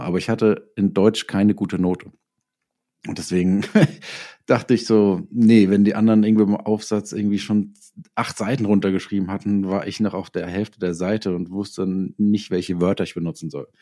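Male interview guest, relaxed dark tone on the low side, informal anecdotal delivery with pauses. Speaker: interview guest, writer and director. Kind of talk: casual personal storytelling in an interview.

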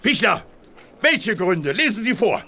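An actor playing a pompous, self-serving mayor in a children's audio drama, declaiming to the public. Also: male voice, high-pitched, very animated, unhurried, sharp tone, heavily acted. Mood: blustering, commanding. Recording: crowd noise behind the voice.

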